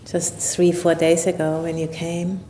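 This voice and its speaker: Low, mellow woman guiding meditation. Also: little pitch movement. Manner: unhurried, halting phrases with long pauses. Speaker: Buddhist nun leading meditation. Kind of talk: guided meditation instruction. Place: retreat session at a monastery or retreat center. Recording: low rumbling background noise.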